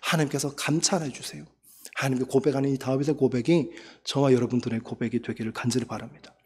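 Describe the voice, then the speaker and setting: A man's voice: mid-range voice, steady tone, quick pace, slightly rough. A male pastor giving an earnest sermon and leading his congregation in prayer. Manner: earnest preaching, rising to fervent shouted prayer. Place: church sanctuary. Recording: long church hall reverb.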